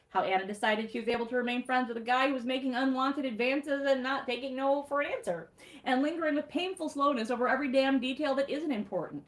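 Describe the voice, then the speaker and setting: A woman's voice: a little high, fairly bright tone, reverberant. Snarky woman with a Michigan accent. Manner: snarky, wry, laughs at her own jokes. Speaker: host reading a book recap. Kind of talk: sarcastic recap reading on a livestream.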